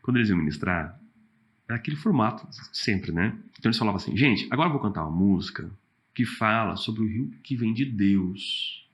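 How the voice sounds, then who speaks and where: Pastor telling stories. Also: male voice, lowish voice, brisk. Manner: animated, acts out quotes, laughs often. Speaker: pastor and worship leader. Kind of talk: casual interview storytelling.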